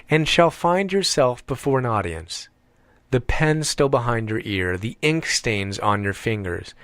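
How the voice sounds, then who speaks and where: A man's voice: mid-range voice, no room sound. Man narrating an audiobook, very dry sound. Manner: measured, deliberate phrasing with emphatic pauses.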